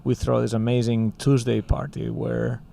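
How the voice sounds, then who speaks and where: A man with a Spanish accent tells a story in a casual podcast chat, filling his sentences with "you know" and "like." His voice sits at an ordinary middle pitch. A faint noise hangs under the recording. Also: completely flat delivery, normal speed, vocal fry, dark tone. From Spain. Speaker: co-founder of a music school.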